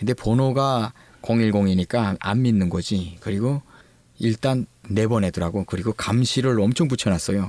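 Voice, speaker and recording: A man's fairly low voice at a moderate pace, with ordinary pitch variation and a dry, close sound with no echo. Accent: North Korean. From North Korea. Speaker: North Korean defector, animation artist. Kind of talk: podcast interview.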